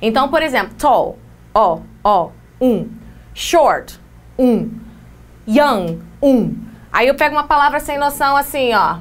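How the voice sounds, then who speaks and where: A Brazilian woman with a high, bright voice teaches an exam-prep English class. She walks through each rule one step at a time and keeps checking that her students are following. Her voice is recorded close to the mic. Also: animated, unhurried. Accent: Brazilian Portuguese. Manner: explains step by step, lots of checks like "beleza?" and "ó".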